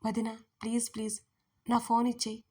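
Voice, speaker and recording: A woman's voice: on the high side, monotone, a little fast, mellow, slightly rough. A woman voicing a sulky young man who keeps begging his sister-in-law, in a storybook romance. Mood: pleading. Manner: begging, whiny.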